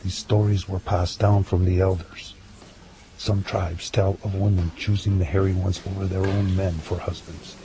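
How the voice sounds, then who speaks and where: A man playing a calm Native American keeper of tribal lore in an audio drama, speaking in a solemn, measured way. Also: low voice. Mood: grave. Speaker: storyteller and ceremony leader. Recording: clearly noisy recording.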